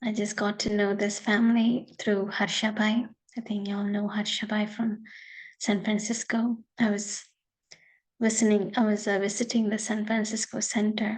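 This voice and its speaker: Somewhat breathy, a woman's fairly high voice moves at a moderate pace with monotone, flat intonation over a quiet background. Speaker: spiritual speaker. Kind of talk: spiritual talk.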